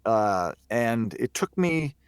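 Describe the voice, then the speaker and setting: A man's voice: mid-range voice, big pitch swings, slow pace, smooth, no echo, studio quality. A man speaking as a guest voice actor in a casual podcast chat, hesitant and meandering, a little self-deprecating.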